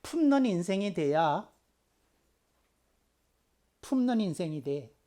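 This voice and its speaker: A man preaching a short children's sermon as a pastor, talking conversationally, repeating key phrases and swinging into loud, emphatic bursts. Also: high voice, sing-song, slow pace.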